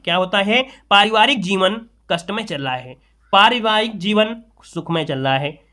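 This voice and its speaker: A man with a high, bright voice teaches spelling for competitive exams. He goes through word after word, saying each one several times and calling his viewers friends as he corrects their mistakes. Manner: repeats words, addresses viewers as friends. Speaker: exam tutor. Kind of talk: spelling lesson for exam students.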